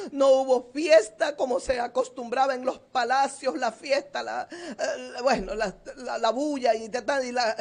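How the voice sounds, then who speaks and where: A woman evangelist delivers an emotional sermon, her voice often close to tears. She speaks very high with a gravelly fry and preaches fervently while seated. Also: a little mellow. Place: seated indoors.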